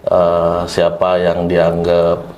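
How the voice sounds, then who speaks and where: A man from Java, a political candidate answering interview questions in a measured, hesitant way with many pauses. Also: sits low, monotone, darkish tone, a little hiss or hum. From East Java.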